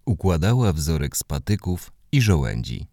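A man reading a children's story aloud in the first person, expressive and animated. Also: low-pitched, moderate pace, dry recording, clean studio sound. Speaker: narrator.

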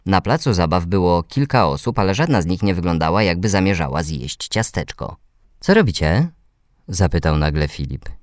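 A man with a low voice reads a children's story aloud. His delivery is gentle and measured, pitched to young listeners. The sound is close and dry. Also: no echo.

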